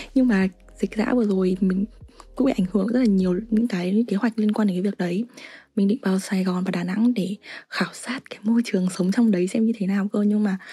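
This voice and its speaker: A woman's very fast, somewhat breathy speech with a dark, mellow tone, medium pitch and fairly even intonation. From northern Vietnam, Hai Phong. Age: 20s. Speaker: university student, podcast guest. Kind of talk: casual interview.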